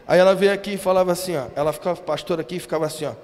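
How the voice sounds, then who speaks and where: A man from Brazil preaching a sermon, telling a story in a lively, slangy way and acting out what people said. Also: high-pitched, very fast. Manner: animated, slangy storytelling with acted-out quotes. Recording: reverberant hall with faint ambience.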